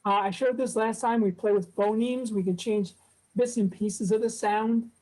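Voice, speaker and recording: A woman casually presenting a software demo on a video call at a club meetup, talking in a relaxed way with lots of fillers. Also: on the high side, normal speed, poor audio.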